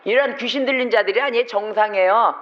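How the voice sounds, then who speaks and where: A man preaches a Sunday sermon in a high, animated voice, keeping it conversational and firing off rhetorical questions. The recording is slightly muffled, as from a church sanctuary. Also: quick pace. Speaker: pastor.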